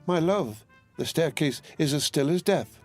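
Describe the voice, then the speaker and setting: Guy doing gentle old dad doctor voice, soothing, measured, audiobook. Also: a little high, animated, soft background music, pitched above the performer's own voice. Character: gentle older father, a doctor.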